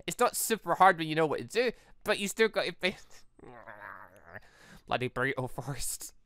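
A gaming host with a bright, forceful voice and very lively pitch. The commentary rambles and breaks off into exclamations, recorded close and dry. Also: unhurried, no room sound. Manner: exclamatory, rambling, self-interrupting. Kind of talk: playthrough commentary with read-aloud dialogue.

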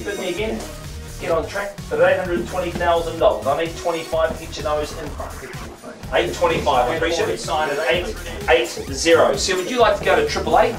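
A middle-aged man with a New Zealand accent calling bids at a live property auction, with quick joking banter and rhythmic patter. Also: on the high side, music in the background. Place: crowded living room of a house for sale. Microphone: far camera, no mic. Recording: echoey room, voice from far off.

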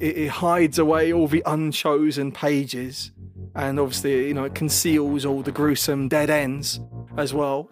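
A British man hosting his podcast outro in a chatty, self-deprecating way, his voice hoarse and raspy. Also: a little high. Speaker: podcast host. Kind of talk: casual outro talk.

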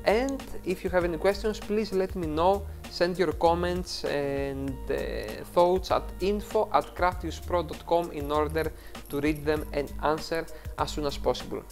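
A man's voice: a little high, measured pace, a little mellow, faint music behind. A man with a Greek accent hosting a photo-editing tutorial, explaining each step over a screen recording and correcting himself as he goes. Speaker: tutorial host.

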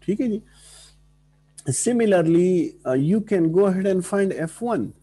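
Husky, mellow South Asian man lecturing. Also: high voice, animated, moderate pace. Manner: mixes Hindi-Urdu phrases into English, checks understanding with short questions. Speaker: engineering lecturer. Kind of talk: classroom lecture with board working and questions to students.

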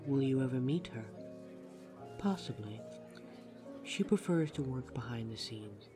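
A man acts out a vampire barista in an audio drama. He is polite on the surface, with dry, teasing barbs underneath. His mid-pitched voice sits over clearly audible music. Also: expressive, a little slow, lightly acted. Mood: explaining, polite. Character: courteous but snide centuries-spanning vampire barista. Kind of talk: audio roleplay acting. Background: music behind the voice.

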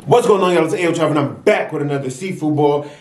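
A man's voice: a little high, fast talker, loud music behind the voice. A young American man chatting casually and slangily to his viewers as an eating-show vlogger, between mouthfuls. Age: young adult. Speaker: mukbang vlogger. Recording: roomy echo, distant mic.

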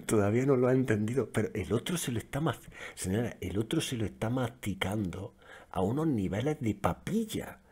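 A man's voice: medium pitch, big pitch swings, normal speed, darkish tone, slightly rough. A man, a gaming youtuber reading forum posts aloud in casual commentary, mocking them and laughing often.

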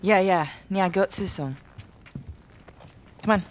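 A woman's voice: lowish voice, takes it slowly, a little hiss or hum. An actress playing a concerned, direct woman adventurer in her thirties in a video game, speaking conversationally. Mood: brisk, concerned. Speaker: game character actor. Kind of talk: naturalistic video game cutscene acting.

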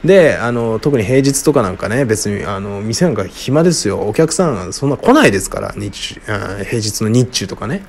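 A man answering listener questions alone in casual talk, frank and rambling with many fillers, often trailing off quietly. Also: normal speed, hardly any pauses, a little hiss or hum. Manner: lively, wide pitch swings. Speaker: radio-style show host answering listener questions.

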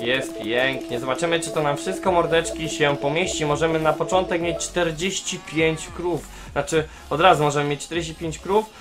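A young man casually commenting on a farming game as he plays, chatting straight to his viewers and filling pauses with "e". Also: a little high, fairly bright tone. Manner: chatty, talks straight to viewers as "mordeczki", many fillers. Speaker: gaming YouTuber. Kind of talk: casual let's-play commentary. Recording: game music faint behind voice.

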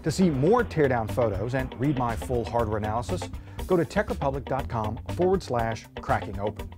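A man in his thirties presents a scripted hardware teardown in a clear, emphatic voice. His pitch moves a lot as he stresses key points, sitting at a mid height for a man. He is recorded on a small indoor studio set. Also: animated, a little fast, over music. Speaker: tech show host.

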